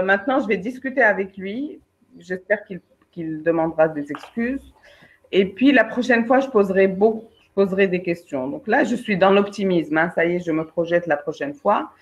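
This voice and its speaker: Woman coaching on a lo-fi webinar. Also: medium pitch. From Algeria. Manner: lively, addresses participants directly, acts out examples. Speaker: career coach and trainer. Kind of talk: live webinar coaching talk. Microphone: video call. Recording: dull lo-fi online webinar audio.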